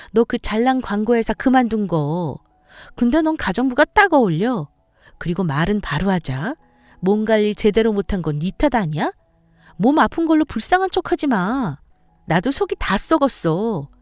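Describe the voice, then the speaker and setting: A woman voicing a sharp-tongued, sarcastic sister-in-law who bosses and belittles her brother's wife. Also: fairly high pitch, very animated, moderate pace, no echo. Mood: scornful. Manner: sarcastic, bossy, needling.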